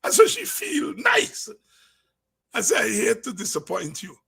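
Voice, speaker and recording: Raspy, high-pitched Guyanese man talking emphatically. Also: wildly swooping pitch, a little slow. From Guyana, from the countryside. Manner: emphatic, repeats words and phrases, swings from low asides to shouts. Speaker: political commentator and speaker. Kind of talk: impassioned informal talk with anecdotes.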